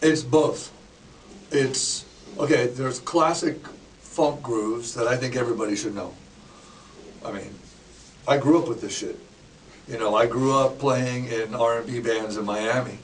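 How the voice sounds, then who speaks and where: A man's voice: mid-range voice, a little slow, pauses often. A Canadian man in his sixties, a drummer and educator, telling stories in a casual interview with small jokes. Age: 60s. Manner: relaxed storyteller, sings snippets, jokes. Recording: distant mic with clear background noise.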